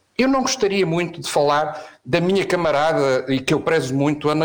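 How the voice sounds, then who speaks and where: This man has a normal speaking voice with a fairly high pitch. He moves at a moderate pace with lively intonation. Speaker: politician. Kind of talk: political debate. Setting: live-streamed studio debate.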